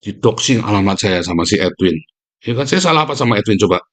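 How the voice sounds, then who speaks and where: A man preaching in a livestreamed sermon, combative and scornful, who keeps addressing his listeners directly and jumps up in pitch when he denounces his opponents. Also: lively intonation, fast talker. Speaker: pastor.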